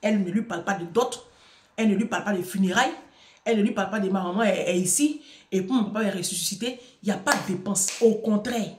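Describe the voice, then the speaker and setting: A woman's voice: medium pitch, quick pace, darkish tone, echoey room. A middle-aged woman giving impassioned advice to her audience, emphatic and preachy, repeating phrases for force.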